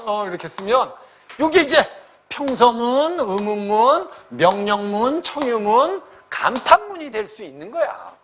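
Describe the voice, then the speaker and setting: Male Korean exam-prep teacher, high and animated, acts out example sentences; faint background noise. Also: a little slow. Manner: lively, checks in constantly with the listener; acts out students' questions and sample sentences.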